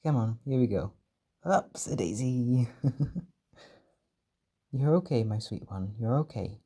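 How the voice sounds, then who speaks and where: A man playing a gentle, doting caretaker in a comfort roleplay audio, speaking softly and breathily with tender, coaxing reassurance. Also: medium pitch, expressive, slow pace. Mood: soothing, tender. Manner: tender, reassuring, coaxing, uses pet names. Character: gentle doting male caretaker soothing an overwhelmed partner.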